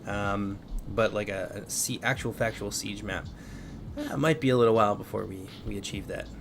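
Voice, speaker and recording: A man with a stuffy, congested voice giving relaxed live commentary on a strategy game while answering chat. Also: fairly low pitch, moderate pace, gravelly, background noise. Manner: relaxed, thinking aloud with fillers. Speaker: game streamer and mod developer. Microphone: headphones with mic at a computer.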